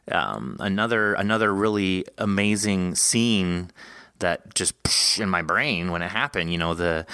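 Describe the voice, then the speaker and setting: A man hosting a casual interview, talking informally and thinking aloud in an animated way. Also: sits low, clear, resonant tone, no echo, studio quality. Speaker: podcast host interviewing an author.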